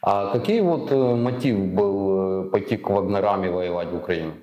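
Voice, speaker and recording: A man in his thirties whose first language is Ukrainian, interviewing in a small office and probing with paused, filler-laden questions. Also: fairly low pitch, muffled recording.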